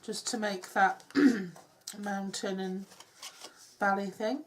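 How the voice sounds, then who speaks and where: A middle-aged woman with a cold, chatting her way through a craft demonstration with soft, self-deprecating asides. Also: mid-range voice, fairly even intonation, takes it slowly, slight background noise. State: congested with a cold. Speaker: craft tutorial host. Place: home craft table. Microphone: overhead camera on hands, speaker off-screen.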